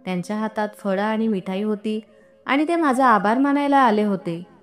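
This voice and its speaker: A woman reading an emotional first-person story aloud in a steady, earnest storytelling tone. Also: mid-range voice, moderate pace. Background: faint background music.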